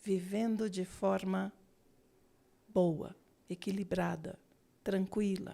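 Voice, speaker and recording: A woman's dark, mellow voice at medium pitch, with ordinary pitch variation and a very slow pace. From São Paulo state, Brazil. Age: 50s. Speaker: family counselor and meditation facilitator. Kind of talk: interview conversation.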